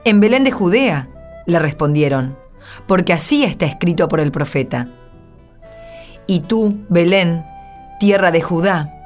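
Low-voiced woman reading solemnly. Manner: measured, reverent, phrase by phrase. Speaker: narrator and scripture reader. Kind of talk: solemn scripted religious narration. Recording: soft music behind the voice.

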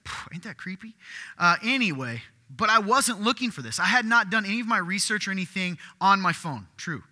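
Male pastor, deeper voice, gets worked up, very bright tone, slightly high pitch for a man. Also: a little fast. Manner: excitable, conversational, asks the crowd questions. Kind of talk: sermon. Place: church hall with congregation. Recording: long hall reverb.

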